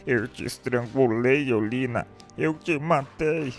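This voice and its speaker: A man's voice: mid-range voice, faint music behind, close to an everyday voice. An actor playing a tormented, remorseful man confessing to murder and suicide in anguished, declamatory radio drama style. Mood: anguished despair. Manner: anguished, declamatory, drawn-out delivery.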